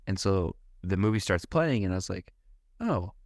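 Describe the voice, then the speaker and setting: A young man co-hosting a movie podcast, telling lively stories from childhood with his voice jumping up for quotes. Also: fairly quick, no echo, studio quality. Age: young adult. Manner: animated storyteller, jumps pitch for quoted voices. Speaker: podcast co-host. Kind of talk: casual chat about movies.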